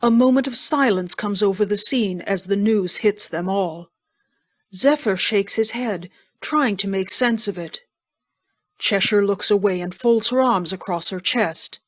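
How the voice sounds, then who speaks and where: A woman's voice: mid-range voice, a little slow, fairly bright tone, no room sound. Woman narrator with a dry, close sound. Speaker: narrator reading scene directions. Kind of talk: scripted narration of an audio drama.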